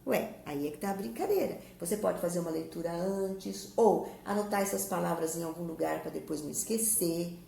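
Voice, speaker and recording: A woman teaching a lesson from home, walking her pupils through each step with patience. Her voice is low, dark and gravelly. It was recorded in an echoey room with a faint hiss of noise behind it. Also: brisk, hardly any pauses. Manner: patient, explains step by step, often says "ó". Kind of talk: remote classroom lesson.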